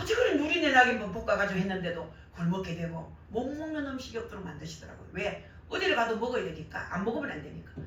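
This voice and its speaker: An animated woman at a very fast pace, very wide pitch swings, noticeable background noise and audible room echo. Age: old. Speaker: preacher. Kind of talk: sermon. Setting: church.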